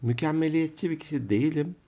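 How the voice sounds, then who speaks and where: A man's voice: on the high side, fast, dark tone. A man in casual conversation who laughs often and tells humorous anecdotes.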